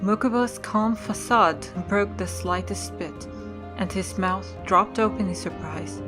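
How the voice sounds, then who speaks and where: A woman's voice: medium pitch, measured pace, music in the background. A woman reading scripted narration as the narrator of an audio drama.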